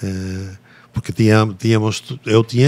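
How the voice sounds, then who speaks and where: The sound is dry and close, with no echo. A man with a medium pitch speaks in a Spanish accent. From Spain. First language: Spanish (speaking Portuguese). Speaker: literature teacher, podcast guest. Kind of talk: casual interview. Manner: hesitant, with many fillers.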